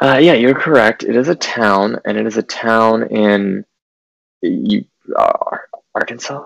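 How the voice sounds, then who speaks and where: Speech broken by long, frequent pauses at a fairly slow pace. The sound is dry and close, with no echo. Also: man. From Texas. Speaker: band drummer. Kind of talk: casual chat. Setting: video call.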